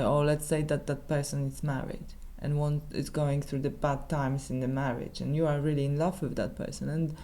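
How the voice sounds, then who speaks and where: Low, mellow Polish-accented woman. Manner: halting, searching for words, many restarts. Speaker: tarot reader. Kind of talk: casual tarot reading monologue.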